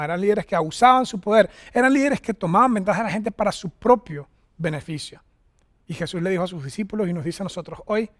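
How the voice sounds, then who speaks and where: High-voiced preacher from Venezuela, dry sound. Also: male voice, no echo. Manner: animated storytelling, acting out voices. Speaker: pastor. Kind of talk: sermon. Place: Costa Rica church setting.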